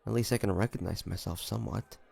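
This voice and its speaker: A man playing an earnest, emotional young hunter in an audio drama, speaking haltingly with stammers. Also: lowish voice, creaky, crowd noise, background noise. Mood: wistful. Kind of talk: dramatic audio roleplay acting.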